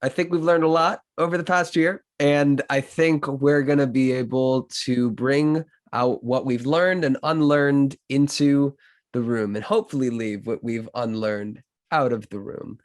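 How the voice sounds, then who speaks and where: A man hosting a podcast conversation in a loose, effusive way, halting and then landing on emphatic phrases. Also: medium pitch, steady tone, dry recording, studio quality. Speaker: podcast host. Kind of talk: casual conversational podcast interview.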